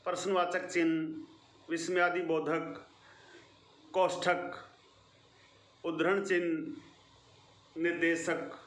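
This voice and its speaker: Slow, bright-voiced male grammar teacher. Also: fairly high pitch, level tone, echoey room. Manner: slow, deliberate explaining with stressed key words. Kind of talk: online video lesson for schoolchildren.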